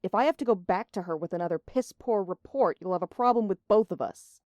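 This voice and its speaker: A woman plays a stern, impatient go-between, curt and menacing, in podcast drama dialogue. Her voice has a middle female pitch and is recorded very dry. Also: fairly quick, a little mellow, dry recording, dull audio, close to an everyday voice. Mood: irritated, threatening.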